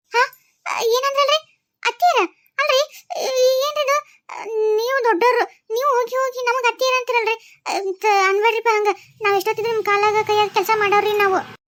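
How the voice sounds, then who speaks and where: Using a cartoonish character voice at an extremely high pitch, a woman talks at a moderate pace with ordinary pitch variation, recorded dry and close with no echo. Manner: polite, deferential, respectful address.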